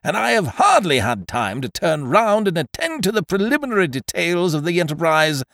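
A loud, blustering schemer from a storybook, full of hearty indignation, as a male narrator puts him on. The voice leaps up high when worked up, and it sits in a dry, close space. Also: huge pitch swings, moderate pace, no room sound. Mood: outraged. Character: blustering booming middle-aged male schemer.

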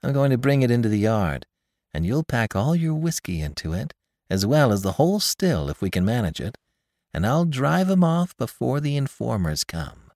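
A man voicing a blunt, mercenary rough woodman with a gravelly voice. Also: medium pitch, sing-song, moderate pace, a little mellow, dry recording, clean studio sound, voice pushed up. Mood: brisk. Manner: blunt, scornful.

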